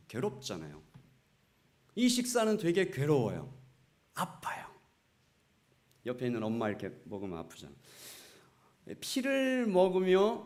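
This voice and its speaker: A middle-aged man preaching a sermon, telling stories with strong feeling, dropping to a hush and then rising loud, and asking the congregation questions. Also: a little high. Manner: emotive storytelling, swinging from hushed to loud. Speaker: pastor.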